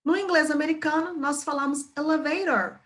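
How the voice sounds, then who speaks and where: A woman's voice: high voice, fairly even intonation, moderate pace, a bit bright. A woman with a Brazilian Portuguese accent teaching an English lesson, patiently repeating words and checking in with her students.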